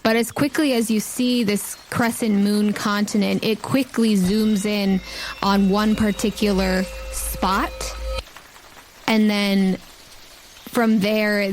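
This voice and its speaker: A woman's voice: mid-range voice, rough recording. A woman, hosting and narrating a tabletop game as game master. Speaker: game master and podcast host. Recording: loud music under the voice. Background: music.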